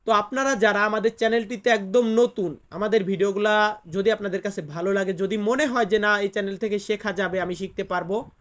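A woman, teaching a language lesson online. She patiently repeats each phrase slowly so it can be drilled. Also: medium pitch, fairly even intonation.

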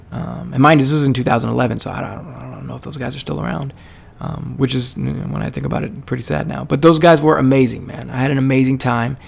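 A man's voice: mid-range voice, creaky. A man who served in the army, telling stories in a rambling, casual way with many fillers and restarts. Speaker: podcast host; army veteran. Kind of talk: casual storytelling monologue.

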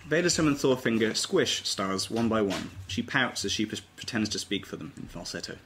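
A man's voice: on the low side, animated, brisk, fairly bright tone. A man narrating scripted stage directions aloud at an informal table read. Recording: noisy amateur room recording, clicks.

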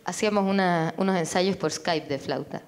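A woman in her thirties with a Chilean accent, an actress giving short, soft-spoken answers into a handheld mic in a small festival room. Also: fairly low pitch, normal speed, a little hiss or hum. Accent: Chilean Spanish. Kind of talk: festival press interview.

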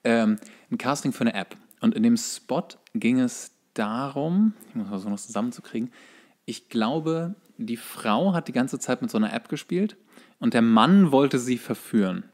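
A man's voice: mid-range voice, expressive, moderate pace, darkish tone. Wry man telling stories casually. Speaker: podcast co-host. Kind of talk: casual chat, storytelling.

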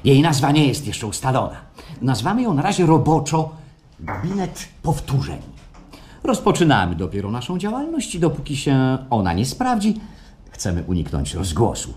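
Courteous, insistent institute boss selling a service. Theatrical radio drama, very lively intonation, slight background noise. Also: male voice, mid-range voice, normal speed. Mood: smooth, persuasive. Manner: courteous, salesmanlike, smoothly insistent. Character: suave, assured male institute president pitching happiness. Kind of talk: theatrical radio play acting. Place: performed live at a radio theatre festival. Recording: live stage radio play, faint noise.

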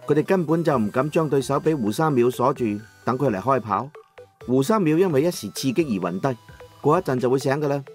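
A man narrating an audiobook in the first person in Cantonese, with colloquial, expressive dramatic storytelling. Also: mid-range voice, fairly quick, soft background music.

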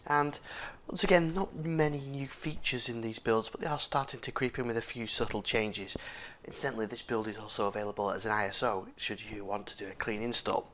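A man's voice: mid-range voice, a little fast, few pauses, fairly bright tone. A man with a scratchy, sore voice, casually hosting a tech walkthrough with frequent fillers and restarts. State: hoarse, sore throat. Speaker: tech video host. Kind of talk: casual screen-recorded walkthrough.

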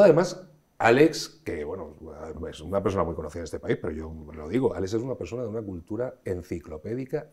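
Deep-voiced man, expansive and animated. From Spain. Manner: expansive, animated storyteller with frequent restarts. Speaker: actor, guest. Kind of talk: conversational interview.

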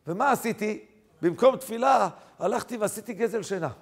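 Brief: humble apologetic young student, male preacher's retelling, high, gravelly tone. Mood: pleading. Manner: pleading, apologetic.

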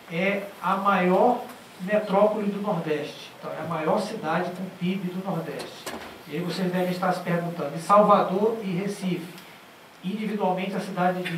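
A man giving a formal speech from a conference panel, halting at times with restarts, into a handheld mic. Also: high-pitched, a bit bright. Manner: halting, with restarts and filler sounds. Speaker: panel speaker. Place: large conference auditorium. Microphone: handheld mic, seated at a panel table. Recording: echoey hall from far off, faint noise.

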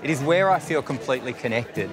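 A man's voice: mid-range voice, lively intonation, quick pace. Upbeat man hosting, music under. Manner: upbeat, enthusiastic. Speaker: host. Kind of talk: lifestyle cooking show narration and chat. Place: outdoors at a market, farm and garden.

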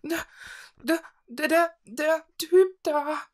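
A woman's voice: high-pitched, very slow. A woman playing a brash, shaken young woman in a horror audio drama, blunt and edgy. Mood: frightened.

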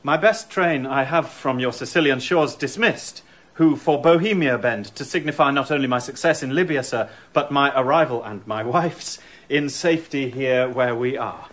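Actor doing a young prince, radio drama, courteous and formal. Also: male voice, medium pitch, moderate pace, fairly bright tone, natural voice.

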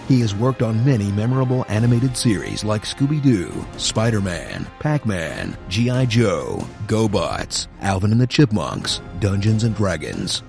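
A man's voice: fairly low pitch, vocal fry, darkish tone. A man narrating a scripted tribute as a professional voice actor, with a polished, dramatic announcer delivery.

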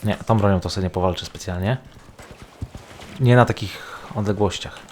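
A man commentates casually over his video game in a fairly low voice. He rambles and thinks aloud as he goes, with game noise audible behind him. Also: moderate pace, a little mellow. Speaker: gaming video host.

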